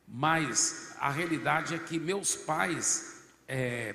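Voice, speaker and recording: There is ordinary pitch variation as a man speaks. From Brazil, raised by American missionary parents. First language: English (speaking Portuguese). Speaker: pastor. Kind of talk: podcast interview.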